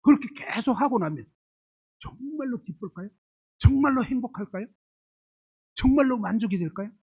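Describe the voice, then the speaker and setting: A man's voice: very high voice, lively intonation, normal speed, a little mellow, slightly rough, highs cut off. A man preaching a sermon, firing rhetorical questions at the congregation and illustrating his points with homely everyday examples. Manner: asks the congregation constant rhetorical questions, emphatic.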